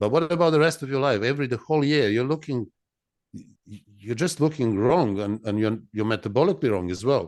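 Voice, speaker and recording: Using a plain, everyday voice, a man talks at a fairly quick pace and medium pitch with lively intonation. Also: quiet background. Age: 60s. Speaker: professional bodybuilder and fitness coach. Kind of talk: casual chat.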